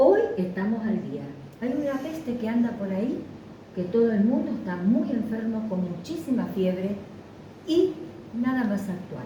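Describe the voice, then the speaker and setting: A woman speaks at a fairly slow pace with lively intonation and long, frequent pauses. Audible room echo and noticeable background noise accompany her voice. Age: 80s+. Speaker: pastor. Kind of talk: sermon.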